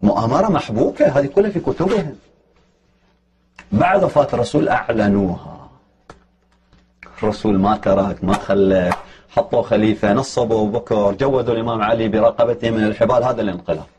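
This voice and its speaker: A man's voice: on the low side, quick pace, pauses often, darkish tone, slight background noise. A man giving a heated, argumentative religious lecture, pressing his points with emphatic challenges.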